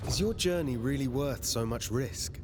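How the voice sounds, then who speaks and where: A man's voice: medium pitch, moderate pace, over music, natural voice. A man playing a grave, resolute young warrior hero in a video game, speaking in an earnest, terse way. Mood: subdued. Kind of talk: video game cutscene acting.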